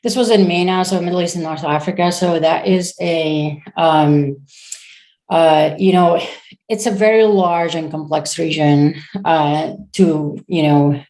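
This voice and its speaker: A woman in her thirties from Syria speaks as a founder in a casual interview. Her voice sits unusually low for a woman. She talks in a halting way, pausing and restarting as she searches for the right words. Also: fairly even intonation, darkish tone, poor audio. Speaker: startup founder, guest.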